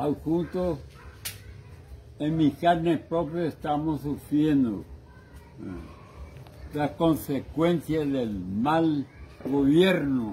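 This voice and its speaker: At a very slow pace, a man with a fairly high pitch speaks in a dark, mellow, somewhat breathy tone, with ordinary pitch variation over light background noise. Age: 80s+. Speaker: elderly rural political supporter. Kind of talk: interview answer. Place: garden. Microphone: phone near.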